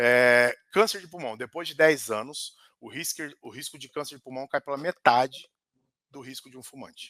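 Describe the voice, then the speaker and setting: In a São Paulo accent, a man speaks at a moderate pace with a fairly high pitch, a bright, sharp tone, ordinary pitch variation and big swings in loudness. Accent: caipira paulistano. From interior of São Paulo state, Brazil (Barretos). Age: 40s. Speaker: pulmonologist. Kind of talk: podcast interview.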